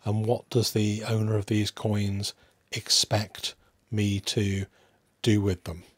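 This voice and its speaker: A man hosting a hobby video in a casual, unscripted way, musing aloud with hesitant pauses. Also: lowish voice, flat delivery, dry recording. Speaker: host of a coin collecting channel.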